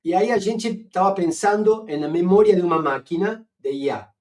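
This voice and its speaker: A man with an Argentine Spanish accent speaking Portuguese as a philosopher guest, explaining ideas slowly with many fillers and restarts. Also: sits high, darkish tone, distant mic. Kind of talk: academic conversation.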